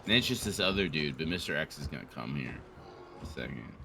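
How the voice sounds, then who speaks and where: A man's voice: a bass voice, expressive, fast talker, vocal fry, music in the background. A man co-hosting a gaming series, chatting casually and jokily as he rambles along with a friend. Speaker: co-host of a gaming let's play series. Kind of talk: casual chat over gameplay, bantering with a friend.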